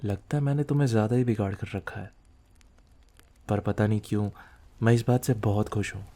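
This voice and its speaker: A man's voice: lowish voice, a little fast, warm tone, lightly acted. A man playing a possessive, dominant mafia boss boyfriend in an intimate ASMR roleplay, teasing and commanding, mixing in English phrases.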